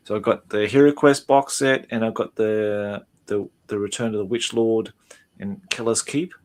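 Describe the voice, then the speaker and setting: A man's voice: lowish voice, fairly even intonation, moderate pace, a little mellow. A man in his fifties with an Australian accent, a podcast guest in casual chat, laid-back, calling people mate and trailing off into fillers. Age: 50s.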